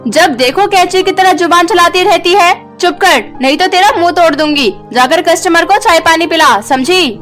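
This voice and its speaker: A woman acts out a sharp-tongued stepmother from a cartoon moral tale. Her voice is high and shrill, with snapping, quick-tempered delivery over faint music. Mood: angry scolding. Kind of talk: Hindi cartoon moral story acting.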